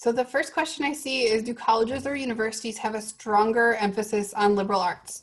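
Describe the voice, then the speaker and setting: Speaking at a very fast pace with hardly any pauses, a woman with an American accent uses a fairly high pitch and ordinary pitch variation. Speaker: university admissions officer. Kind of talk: presentation with Q&A.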